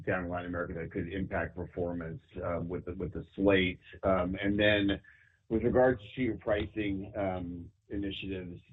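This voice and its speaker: A man with a very low voice puts questions as a financial analyst, in halting, choppy phrases. He sounds distant on a thin phone line with a little noise behind him. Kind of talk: earnings call question.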